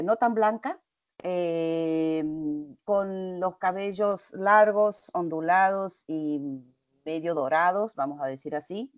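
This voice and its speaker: A middle-aged Argentine woman with a slight Portuguese-tinged accent gives a webinar lecture in a measured, hesitant way, speaking from a home office over a headset. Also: low-pitched, darkish tone, dry recording. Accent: Argentine Spanish with some Portuguese mixing. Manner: measured, many hesitations and restarts. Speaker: invited lecturer. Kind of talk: webinar presentation. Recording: dry, dull video-call audio.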